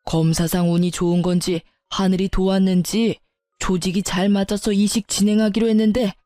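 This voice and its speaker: A woman's voice: medium pitch, warm tone, dry recording, lightly acted. A woman voicing an older father-in-law who berates his son with insults, in a dramatized story reading. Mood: stern.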